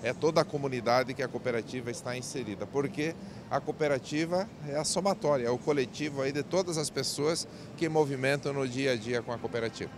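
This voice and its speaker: A man's voice: medium pitch, brisk, noisy background. An older man, a cooperative president, speaking earnestly in a speech-like way into a handheld mic in a large event hall. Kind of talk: interview statement.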